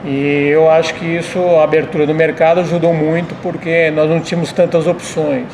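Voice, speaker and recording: Faint room noise runs beneath a middle-aged restaurant owner as he responds to interview questions, explaining his points with measured care. His voice is a little high and his delivery flat.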